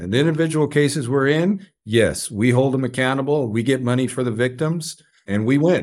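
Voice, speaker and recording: A man with an American accent speaks in an unremarkable speaking voice. His intonation is lively. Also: very clean recording, silent background. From southwest Missouri. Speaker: lawyer. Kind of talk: interview.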